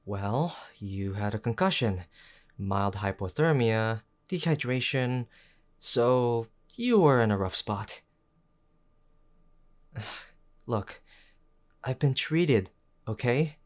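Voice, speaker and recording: A man playing a gruff but tender tsundere boyfriend in an intimate audio roleplay, speaking in a halting, earnest way. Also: mid-range voice, lively intonation. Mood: defensive, reassuring. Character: gruff young tsundere boyfriend, worried, stubborn, tender underneath.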